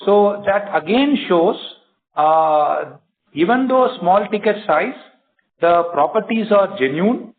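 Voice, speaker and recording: A man, a company executive answering analysts' questions on an earnings call, explaining in halting steps with many fillers. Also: high voice, expressive. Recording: tinny phone line.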